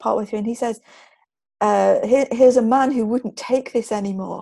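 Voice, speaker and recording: Speaking at a moderate pace, a woman with a British accent has a fairly high pitch and a dark, mellow tone. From UK. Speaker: podcast host and film reviewer. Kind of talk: casual chat.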